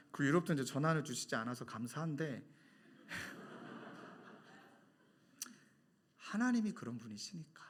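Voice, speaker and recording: Animated, bright-voiced Korean male pastor preaching. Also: on the high side. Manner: animated, shifts from loud emphasis to soft confiding tones. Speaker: senior pastor. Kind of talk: sermon.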